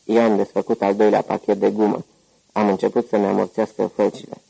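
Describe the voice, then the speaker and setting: A man's voice: on the low side, level tone, vocal fry, mellow, slightly rough, heavily acted, rough recording. A man voicing a lazy, gum-chewing gangster in an audiobook, with a drawling, sardonic delivery.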